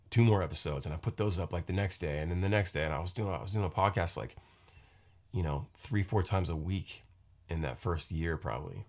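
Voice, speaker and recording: A man in his forties hosting his own podcast, talking casually in a rambling, halting way, full of restarts and fillers. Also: deep voice. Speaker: podcast host and musician. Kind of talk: casual solo podcast monologue. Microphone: podcast microphone.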